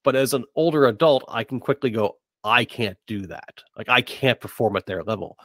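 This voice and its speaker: A mid-range, fairly bright male voice at a moderate pace, recorded with no echo, comes from a middle-aged podcast host. In a casual discussion of tabletop gaming, he sounds hesitant and repeats words while figuring out what he thinks.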